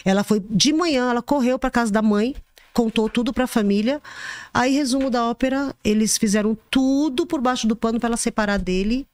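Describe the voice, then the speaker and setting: A woman, a podcast guest, telling a personal story in an animated way, often repeating herself and restarting sentences. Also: fairly high pitch, fairly quick, dry recording, clean studio sound. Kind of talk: storytelling anecdote.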